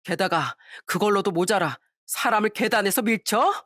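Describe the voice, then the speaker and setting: A woman's voice: mid-range voice, moderate pace, fairly bright tone, no echo, studio quality, natural voice. A woman voicing an angry middle-aged husband who confronts the man bothering his wife, in a harsh, commanding way. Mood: furious. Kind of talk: dramatized story reading.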